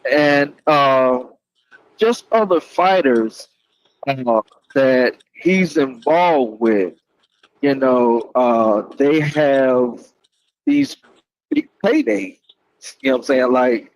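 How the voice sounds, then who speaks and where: A man chatting casually as a panelist, halting and roundabout, often saying "you know". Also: mid-range voice, sing-song, low-quality recording. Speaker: panelist asking a question. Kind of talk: casual chat.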